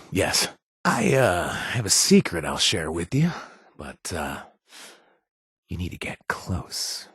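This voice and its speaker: A man playing a roguish, flirtatious wasteland companion in a video game, husky and sometimes breathy, with a hesitant, teasing, conversational drawl. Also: medium pitch, dry recording, clean studio sound, exaggerated voice. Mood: tender, flirtatious.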